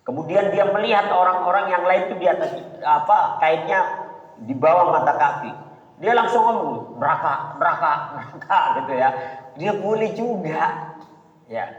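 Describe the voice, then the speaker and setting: A man's voice: high-pitched, expressive, normal speed. A middle-aged man, giving an informal religious lecture in a chatty way, often calling listeners "Pak" and acting out quoted dialogue. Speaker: preacher. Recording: echoey hall, dull lo-fi sound.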